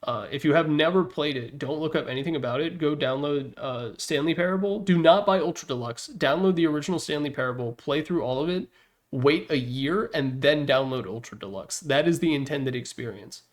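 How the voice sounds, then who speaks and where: A man's voice: fairly high pitch, brisk. A man giving casual, opinionated commentary as the host of a ranking, talking in a rambling, blunt, slangy way. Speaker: host ranking video game announcer packs.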